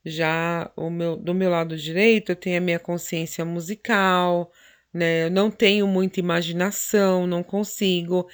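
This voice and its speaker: A woman's voice: fairly low pitch, little pitch movement, normal speed, smooth. A woman teacher, explaining anatomy in a recorded lecture, often checking in with tag questions and fillers.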